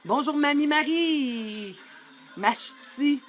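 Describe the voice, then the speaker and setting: A woman's voice: high voice, extremely slow. Woman, middle-aged, life coach, live-streamed talk, chatty, filler-heavy, webcam mic, faint music behind. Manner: warm, chatty, greets viewers by name, many fillers.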